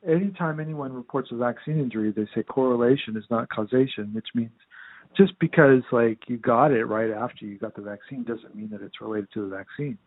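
A man's voice: medium pitch, a little fast, no room sound. A man in casual chat, telling stories in a sarcastic, profane way full of fillers. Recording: tinny phone-like sound.

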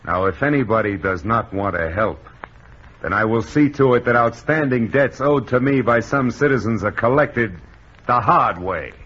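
A man playing a gruff gangster bookie in a 1940s radio drama, bossy and clipped, slightly husky. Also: mid-range voice, normal speed, a bit bright. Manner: clipped tough-guy slang, bossy. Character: gruff gangster bookie, tough but softening. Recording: dull old radio broadcast.

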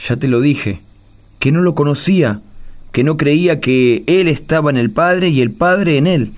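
A man's voice: fairly high pitch, expressive, unhurried. A man playing an anxious, self-doubting young disciple in a radio play, speaking Spanish with an Argentine accent in a pleading, self-deprecating way. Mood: dejected, self-doubting. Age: young adult. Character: tall thin young disciple, self-doubting, evasive fugitive. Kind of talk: radio play dialogue acting.

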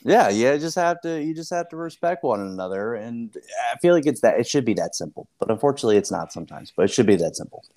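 A man's voice: medium pitch, lively intonation, quick pace, few pauses, a little mellow. A man talking casually as a podcast guest about anime, hedging his points and trailing off with small laughs.

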